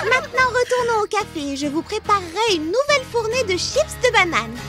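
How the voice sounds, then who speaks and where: A woman's voice: very high-pitched, exaggerated voice. A woman voicing a sweet, cheerful little girl who runs a café in a children's cartoon, upbeat and friendly. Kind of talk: animated children's cartoon dub. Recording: background music under the dialogue.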